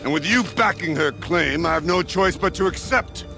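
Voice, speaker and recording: An actor playing a proud, stern tribal chieftain in a video game, haughty and formal with open scorn. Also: male voice, high voice, expressive, normal speed, vocal fry, pushed and bright, soft background music, full character voice. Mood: bitter. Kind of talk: dramatic video game cutscene acting.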